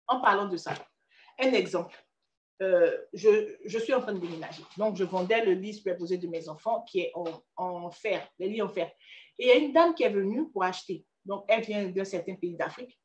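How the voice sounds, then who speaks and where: In an echoey room, a woman from Ivory Coast talks briskly in a mid-range, slightly mellow voice with an Ivorian French accent. Her casual motivational talk on careers is addressed directly to the listener, and she restarts often.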